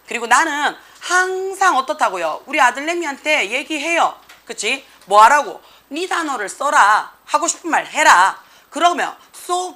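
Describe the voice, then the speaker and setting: A woman's voice: high voice, pushed and bright. A young woman teaching an English reading lesson, explaining a passage and checking in with students with constant tag questions.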